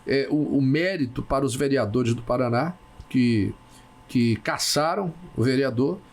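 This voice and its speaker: A man hosting a casual talk show, who speaks haltingly and repeats words as he searches for them. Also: medium pitch.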